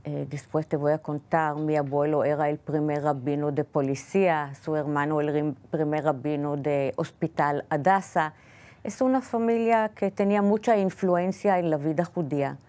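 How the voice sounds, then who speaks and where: A woman's voice: low-pitched, dark tone. Israeli woman telling family stories. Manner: careful, slightly halting non-native Spanish. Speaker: guest. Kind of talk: interview storytelling.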